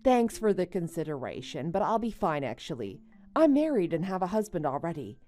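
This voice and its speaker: A woman's voice: on the low side, sing-song, fairly quick, warm tone, faint music behind. A woman playing a level-headed young married woman, a betrayed friend who answers firmly and with exasperation in a story drama. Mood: politely guarded. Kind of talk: melodramatic animated-story voice acting.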